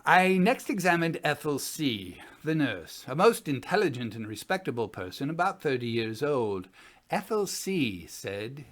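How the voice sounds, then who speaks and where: A man in his sixties giving a measured, formal dramatic reading as the narrator of an old investigation report. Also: medium pitch, sing-song, a bit bright. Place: small home study, indoors.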